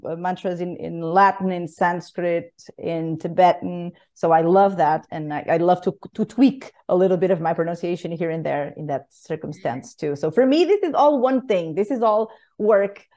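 A woman's voice: on the low side, darkish tone. A woman hosting a podcast, chatting enthusiastically and laughing often. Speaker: podcast host. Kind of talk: conversational podcast interview.

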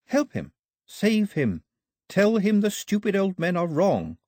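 A soft, urgent spirit voice that seems to float in the air, pleading and questioning, as a male narrator puts it on. It sits well above his usual pitch and keeps a slightly husky edge. The sound is dry and close. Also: huge pitch swings, slow pace, dry recording, exaggerated voice. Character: disembodied female voice in the air, gentle and urgent.

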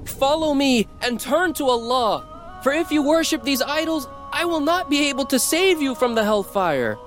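A man's voice: high voice, moderate pace, faint music behind, voice pushed up, natural voice. A man voicing a prophet who calls out urgent warnings to a gathered crowd in a raised, proclaiming voice. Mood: solemn urgent.

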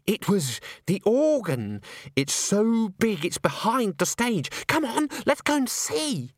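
A man's voice: high-pitched, sing-song, slow, no room sound, studio quality, pitched above the performer's own voice, exaggerated voice. A man voicing a giddy young woman of the stage in a storybook, gushing and trilling in a theatrical, romantic manner. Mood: breezy, trilling. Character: giddy, breathless young female stage singer, grandly romantic.

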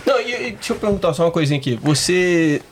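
A man's voice: high-pitched, expressive, quick pace, slightly rough. A man hosting a podcast who asks blunt, casual questions with swearing. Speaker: podcast host.

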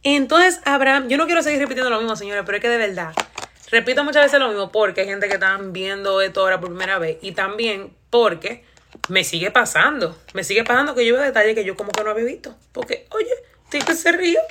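A woman's voice: a little high, fast, a little hiss or hum. A young woman with a Dominican accent, chatty and laughing, reading the Bible live over a phone stream. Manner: animated, laughing, chatty and expressive. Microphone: phone livestream.

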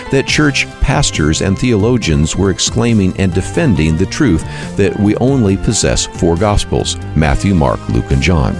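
Deep-voiced man narrating, lively intonation. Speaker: radio program host. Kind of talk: scripted radio teaching narration.

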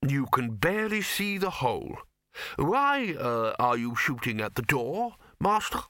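A man's voice: medium pitch, very animated, measured pace, pushed and bright, no echo, studio quality. A man voicing a nervous, deferential bursar in a comic fantasy storybook, hesitant and stammering with strained politeness. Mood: strained calm. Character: nervous, placating, deferential male university bursar at a wizards' college.

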